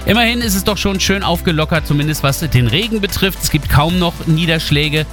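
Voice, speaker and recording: A man's voice: on the high side, animated, brisk, a bit bright. Chatty male radio presenter over music. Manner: chatty, addresses listeners directly. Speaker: radio host. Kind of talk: lively radio traffic and weather presenting. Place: radio studio. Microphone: studio microphone. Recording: music bed under the voice. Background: music bed under the talk.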